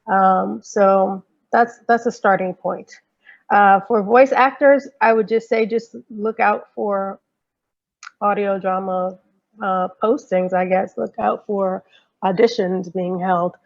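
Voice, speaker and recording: Woman, gravelly fry, medium pitch, casual instructive panel advice, dull lo-fi audio. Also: fairly even intonation, slow pace. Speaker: audio drama creator on a panel.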